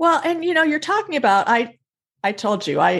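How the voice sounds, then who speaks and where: A woman with a Southern US accent and very wide pitch swings. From US South. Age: 50s. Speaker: podcast host. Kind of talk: interview.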